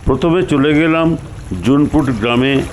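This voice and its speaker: A man's voice: fairly high pitch, unhurried, slight background noise. A man narrating a story expressively as the storyteller.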